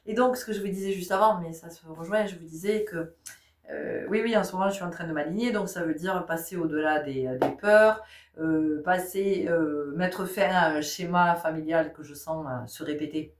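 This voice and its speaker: A woman's voice: lowish voice, moderate pace. A middle-aged woman with a stuffy nose from a cold, giving a casual spiritual talk that speaks directly to listeners and often breaks into laughter. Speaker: spiritual guide. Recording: roomy sound, distant mic.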